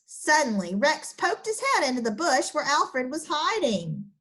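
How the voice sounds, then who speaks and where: A young woman teacher reading a children's picture book aloud and then talking through its lesson with her class. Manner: slow, expressive storybook reading with lively pitch.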